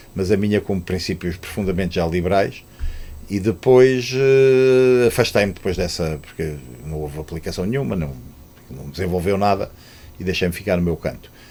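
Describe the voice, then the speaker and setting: A man speaks at a moderate pace with a very deep, low pitch. His tone is dark and mellow, and his intonation is lively. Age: 60s. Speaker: politician. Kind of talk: interview. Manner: halting.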